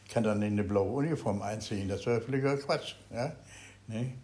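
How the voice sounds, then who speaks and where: With a voice on the low side, an older man addresses a group in a Zen meditation talk. He pauses to search for words, speaking haltingly, and his volume moves between loud and very quiet.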